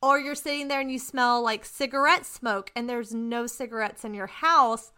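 Texan woman co-host, high and bright, excitable, chatty. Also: moderate pace, clean tone. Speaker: podcast co-host. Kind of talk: casual chat.

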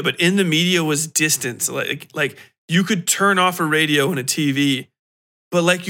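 A man in his thirties talking casually as a podcast host, ranting and reminiscing in a profane, slangy, animated way. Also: a little high. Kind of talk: casual solo rant, reminiscing.

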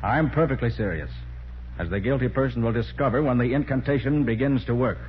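An actor playing a commanding master detective, deliberate and authoritative, in a 1940s radio drama. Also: male voice, medium pitch, close to an everyday voice. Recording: muffled, hissy 1940s radio recording.

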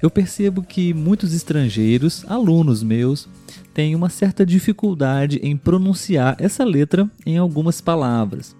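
A man with a Brazilian Portuguese accent hosting a podcast pronunciation lesson, patiently repeating example words slowly and clearly for learners. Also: fairly high pitch, expressive, warm tone, soft background music. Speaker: language teacher and podcast host.

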